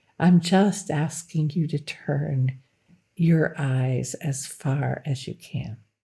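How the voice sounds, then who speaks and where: Soft-spoken and somewhat breathy, a woman talks at a very slow pace in a very deep, low pitch with a dark, mellow tone and ordinary pitch variation. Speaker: psychotherapist. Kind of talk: clinical demonstration.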